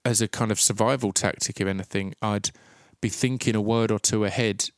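A man's voice: lowish voice, fairly even intonation, no room sound. Stuttering male podcast host, dry sound. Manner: halting, repeats sounds at word starts. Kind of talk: casual interview and reflective monologue.

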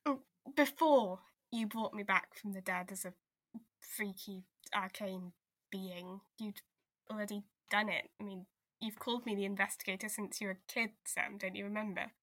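A woman's voice: medium pitch, fairly even intonation, moderate pace, a bit bright, no echo, natural voice. A woman playing an exasperated but caring investigator in an audio drama, blunt yet hesitant when earnest. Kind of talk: audio drama table read.

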